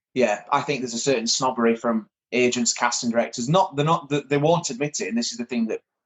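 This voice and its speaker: Speaking very fast in a North Yorkshire accent, a man uses a medium pitch with ordinary pitch variation. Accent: Northern Yorkshire. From northern England, Barnsley, South Yorkshire. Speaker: aspiring actor, acting student. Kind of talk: podcast interview. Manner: animated, with many false starts and repetitions.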